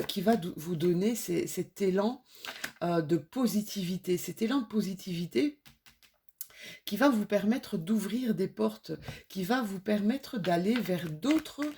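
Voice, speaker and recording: This French tarot card reader has a mid-range, warm, slightly rough voice and speaks a little slowly. Nursing a slight cold, she gives her viewers an intuitive card reading in a soothing, reassuring way, full of fillers and restarts.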